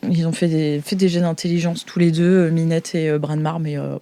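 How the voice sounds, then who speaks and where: A woman's voice: deep voice, little pitch movement, a little fast, mellow, slight background noise. A woman running an improvised tabletop game as game master, narrating hesitantly as she makes things up.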